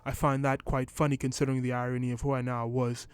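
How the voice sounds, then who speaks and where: A man reading a short story in scripted first-person narration, telling it at a steady, even pace. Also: medium pitch, fast talker, clean tone, no room sound.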